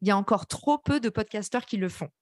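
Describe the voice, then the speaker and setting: A woman's voice: medium pitch, expressive, quick pace, dry recording. Chatty woman teaching, dry close sound. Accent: English-tinged French. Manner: chatty, enthusiastic, addresses the audience directly. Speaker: podcast course instructor. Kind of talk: live workshop teaching.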